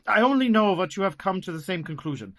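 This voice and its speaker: A man's voice: high voice, expressive, fast, a bit bright. A man playing a grave, commanding older doctor in a radio play. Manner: grave, urgent, formal.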